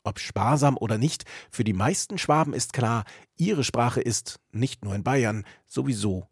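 A man narrating a radio feature from a script, with a measured, lightly wry delivery. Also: mid-range voice, husky, no room sound, studio quality. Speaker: radio reporter.

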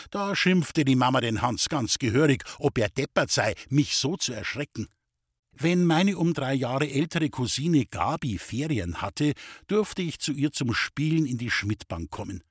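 A man from the Bavarian Forest reads his childhood memoir aloud, calm and unhurried. His voice is husky and middle in pitch. The recording is close and dry. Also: dry recording. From Bavarian Forest, Germany. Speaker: author reading his memoir.

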